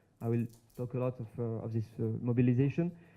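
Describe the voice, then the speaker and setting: A man with a French accent at a fairly quick pace. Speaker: PhD student researcher. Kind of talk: conference presentation. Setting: conference with audience. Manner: halting, many hesitations.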